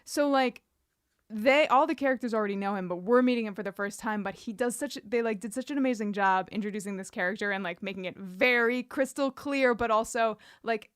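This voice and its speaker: A woman's voice: on the high side, a little fast, clean tone, no room sound, clean studio sound. A woman co-hosting a podcast, chatting casually about a TV show in a playful, wry, rambling way full of "like". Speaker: podcast co-host.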